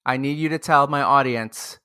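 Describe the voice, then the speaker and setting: A man's voice: medium pitch, moderate pace, clear, resonant tone. Playful male podcast host. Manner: playful, jokey, animated. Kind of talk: upbeat podcast hosting.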